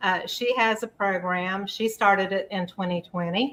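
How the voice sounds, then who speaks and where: A woman with a Southern US accent talks at a very slow pace, her pitch medium and her intonation fairly even. Her tone is bright and sharp. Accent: Southern twang. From US South, North Carolina. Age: 60s. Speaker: painter. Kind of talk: interview.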